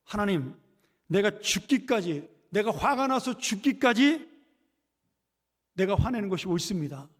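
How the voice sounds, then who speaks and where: Man doing an indignant prophet, high-pitched, yelling, long church echo. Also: fast talker, natural voice. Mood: defiant. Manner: shouting, indignant. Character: furious sulking male prophet, resentful.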